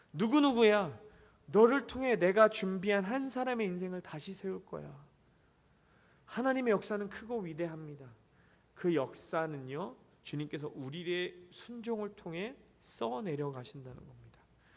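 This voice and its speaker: The man's voice is high in pitch, with very wide pitch swings and big swings in loudness. He speaks at a fairly slow pace, and the room echo is audible. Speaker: pastor. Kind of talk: sermon.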